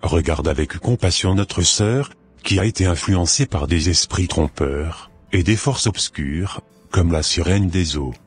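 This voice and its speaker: A devout Christian man in a cartoon , played by a male actor, speaks with a deep, rough-edged voice. The delivery is scripted, solemn and earnest, with soft music underneath. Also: measured pace. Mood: solemn prayer. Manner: formal, solemn prayer delivery.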